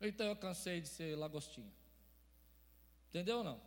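A man preaching a sermon to his congregation, asking them for responses, going from quiet talk to loud shouts. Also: on the high side, lively intonation, brisk, slight background noise. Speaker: pastor. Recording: reverberant church hall.

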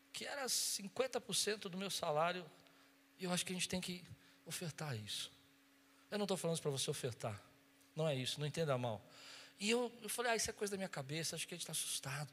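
Bright-voiced preacher man in a hall. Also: high voice, a little hiss or hum. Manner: swings from quiet storytelling to loud impassioned preaching. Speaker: pastor. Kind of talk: sermon. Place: church.

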